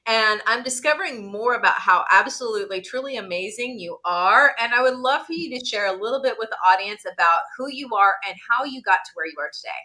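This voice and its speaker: A woman's voice: on the high side, expressive, fast, hardly any pauses, pushed and bright, rough recording. A woman hosting a wellness interview show, effusive and enthusiastic as she introduces and questions her guest. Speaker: show host.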